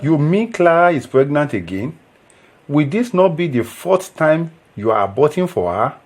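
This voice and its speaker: A man's voice: on the low side, lively intonation, unhurried. An actor playing an earnest young Christian man who preaches and pleads. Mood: preachy. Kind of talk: film drama acting.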